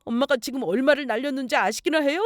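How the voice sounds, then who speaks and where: A woman's voice: a little high, sing-song, brisk, a little mellow, no room sound, clean studio sound. A woman voicing a greedy young man, the heroine's fiancé, who pleads and whines. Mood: whining.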